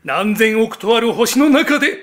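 A man's voice: extremely high pitch, expressive, measured pace. A man voicing a proud, doting old heavenly emperor who explains things in old-fashioned elder's speech for an educational story. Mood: boastful, amused. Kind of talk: scripted educational story narration.

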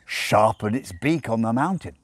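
A man's voice: medium pitch, animated, normal speed, dry recording, pitched above the performer's own voice, close to an everyday voice. A man voicing a sly, drunk male demon in a storybook reading, rambling and insistent. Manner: rambling, emphatic, persistent. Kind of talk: dramatised book reading. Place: outdoors in a garden.

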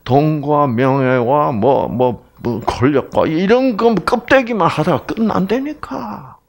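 An older man giving a health lecture on stage in a large lecture hall. He is animated and swings between exclamations and hushed asides. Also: a little high, takes it slowly, vocal fry.

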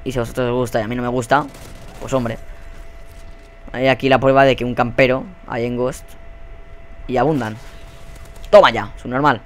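A man with a Spain Spanish accent giving profane, excitable commentary over his own gameplay. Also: medium pitch, normal speed, long pauses. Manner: excitable and profane, bursting into shouts. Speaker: gaming YouTuber.

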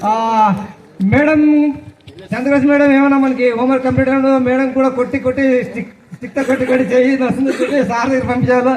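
A man's voice: very high-pitched, flat delivery, quick pace, recorded from a distance, rough recording. A man, telling school stories to former teachers at a reunion. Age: 40s. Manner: chatty storytelling, addresses teachers as sir. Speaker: alumnus speaking at a school reunion. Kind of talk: reminiscing speech at a live event.

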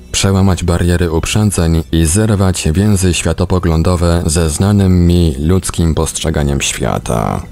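A man reading an audiobook as scripted narration, measured and with deliberate pauses. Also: low-pitched, warm tone. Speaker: audiobook reader on a radio programme.

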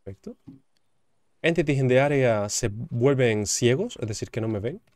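A man's voice: medium pitch, expressive, normal speed, darkish tone, no echo. A young man, chatting casually while playing a game and repeating words as he reacts. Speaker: gaming YouTuber. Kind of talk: casual gameplay commentary.

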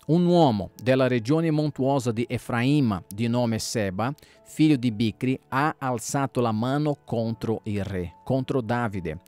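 A male pastor reading the Bible aloud at a steady pace, sometimes stumbling over names and correcting himself. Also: medium pitch.

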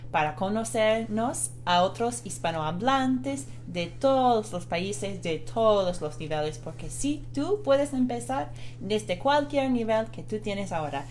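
A woman's voice: a little high, darkish tone. Woman speaking Spanish as a learner. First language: not Spanish. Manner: earnest, learner's foreign accent. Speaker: Spanish teacher and co-host. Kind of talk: live-streamed language lesson chat.

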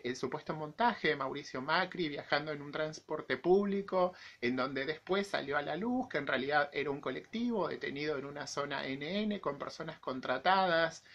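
A YouTube vlogger in his forties with an Argentine accent delivers a personal opinion monologue to camera. His voice sits fairly high and sounds a bit bright, affected by an infection he's still recovering from.

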